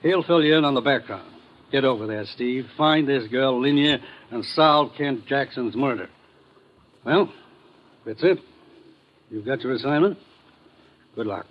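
An actor in a 1950s radio drama playing a brisk, authoritative commissioner briefing in a businesslike way. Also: male voice, medium pitch, lightly acted. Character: brisk, businesslike commissioner giving an agent orders. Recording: dull old radio recording.

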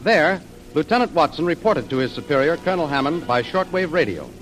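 A man's voice: a little high, big pitch swings, fairly quick, a bit bright, rough recording. A man announcing and narrating an old radio serial in a formal, declamatory way. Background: music.

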